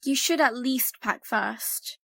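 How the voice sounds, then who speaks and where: A woman's voice: fairly high pitch, takes it slowly, gravelly, sharp tone, dry recording, full character voice. A woman playing an exasperated, bossy young twin sister, a dismissive skeptic, in an audio drama.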